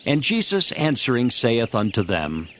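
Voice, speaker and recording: A man reading scripted scripture narration in a measured storytelling manner for a dramatized Bible recording. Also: medium pitch, huge pitch swings, fairly bright tone, slight background noise.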